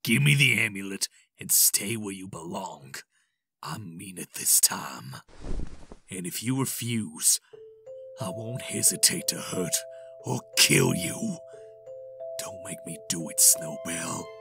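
A man playing a gruff, hot-tempered country character in an audio drama, with a Southern US accent and folksy speech. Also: low-pitched, lively intonation, slow pace, over music, full character voice. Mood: cold threat.

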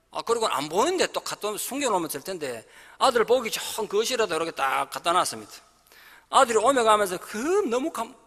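High bright-voiced pastor in a reverberant church. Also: male voice. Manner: storytelling, acting out dialogue of characters; emphatic, rising to exhortation. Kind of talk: sermon. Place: church sanctuary.

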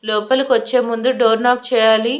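A woman's voice: fairly high pitch, flat delivery, brisk, lightly acted. Woman voicing defiant angry heroine. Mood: indignant, angry. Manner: indignant, argumentative.

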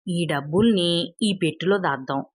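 A woman voicing a hardworking, gentle young farm wife in a told folk tale, polite and eager. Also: on the low side, moderate pace, breathy edge, pitched below the performer's own voice.

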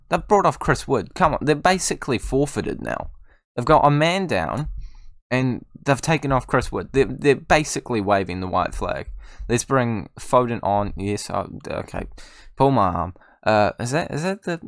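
A man casually commentating his own video game session, excitable and self-mocking, talking straight to his viewers. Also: lowish voice, dry recording, clean studio sound. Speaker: gaming YouTuber. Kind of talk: casual let's-play commentary.

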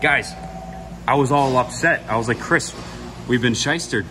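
Excited man filming in a noisy workshop. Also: mid-range voice, moderate pace. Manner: excited, addresses viewers directly. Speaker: host. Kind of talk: casual shop chat. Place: large motorcycle workshop indoors.

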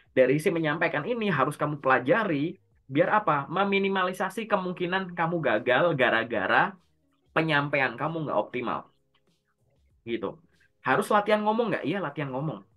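A man's voice: mid-range voice, fairly bright tone. A man coaching someone for job interviews over a video call. He explains step by step and asks and answers his own questions. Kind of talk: casual coaching session.

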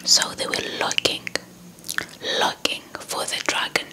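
A young South African woman whispers an ASMR folktale into a close handheld mic, breathy, repeating soft words. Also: unhurried. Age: young adult. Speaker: ASMR storyteller. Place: indoors, in front of a dark cloth backdrop. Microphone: small handheld lavalier mic with windscreen, held close.

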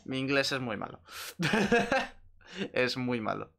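A young man chatting casually while streaming a game, relaxed and quick to laugh. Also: mid-range voice, gravelly. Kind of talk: casual gameplay livestream chat.

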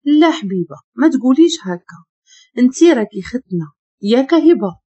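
A woman with a Moroccan accent voicing a caring young woman who speaks gently and reassuringly. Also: on the high side, very animated, normal speed, breathy edge, dull audio, pitched above the performer's own voice. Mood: tender. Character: caring young woman comforting her sister.

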